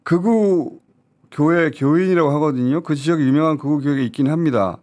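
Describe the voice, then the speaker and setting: A man's voice: a little high, a little fast, a little mellow. A man giving heated news talk-show commentary, talking in an indignant, emphatic and urgent way. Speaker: political commentator.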